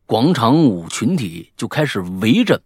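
A male podcast host reading out a listener's story aloud, animated and full of character voices. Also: unhurried, breathy edge, no echo, studio quality. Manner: lively, mimics characters with sudden high-pitched outbursts.

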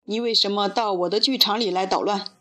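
A woman voicing a huge, menacing bearded puppet theater owner, gruff and hoarse. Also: medium pitch, steady tone, fairly quick, a bit bright, close to an everyday voice. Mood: angry. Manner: gruff and threatening.

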